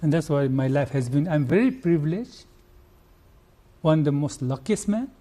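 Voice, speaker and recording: An older Nepali conservationist answers interview questions with earnest hesitation, restarting sentences and using fillers in his Nepali accent. His voice is fairly high, warm, and lively in intonation.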